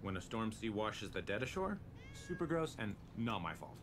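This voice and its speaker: A brash fantasy storm champion taunts theatrically with lively, swinging pitch. It is quiet video game audio with clear background noise. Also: male voice, normal speed. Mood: taunting.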